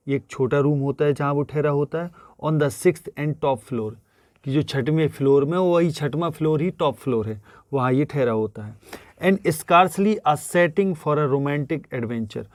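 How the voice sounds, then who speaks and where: A young man teaching an English text, reading lines slowly and explaining them at length in Hindi. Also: on the high side, a little mellow, no echo, clean studio sound.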